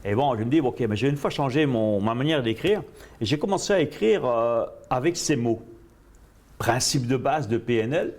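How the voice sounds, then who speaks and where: A man, a guest coach telling his story in an interview, animated and repetitive, slipping in English phrases. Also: medium pitch, moderate pace. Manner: animated, repeats himself, drops English phrases.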